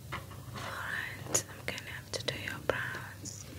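Loud background noise surrounds a woman speaking at a very slow pace. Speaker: ASMR artist. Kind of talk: ASMR personal attention role play. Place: home room.

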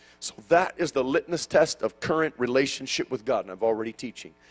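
Music plays behind a man as he talks. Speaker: preacher. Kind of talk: sermon. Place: church. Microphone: handheld.

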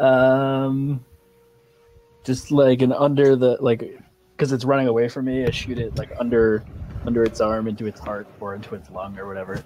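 Speaking with a normal speaking voice, a man keeps a medium pitch, fairly even intonation and a moderate pace. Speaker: tabletop roleplay player. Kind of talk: casual roleplay game chat. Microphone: video call.

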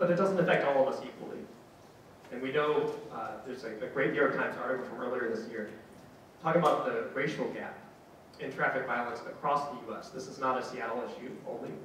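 Amid light background noise and audible room echo, a man talks at a very fast pace with ordinary pitch variation. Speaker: safe streets advocate. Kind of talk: panel presentation. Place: hall.

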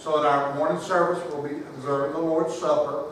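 With strong room echo and light background noise, a high-pitched man speaks at a moderate pace. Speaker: pastor. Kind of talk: church announcements. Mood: friendly, joking. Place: church.

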